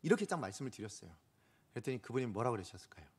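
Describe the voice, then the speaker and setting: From Korea, this male pastor preaches a sermon in a mid-range voice with a breathy edge and a rapid-fire delivery. He tells a story from his own ministry, animatedly asking the congregation questions and acting out what people said.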